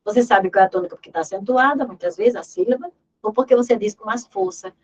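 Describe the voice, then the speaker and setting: A woman's voice: fairly high pitch, lively intonation, quick pace, lo-fi sound. Emphatic woman teacher. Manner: emphatic, repeats key words, drills terms aloud. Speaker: Portuguese teacher. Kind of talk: exam review lesson.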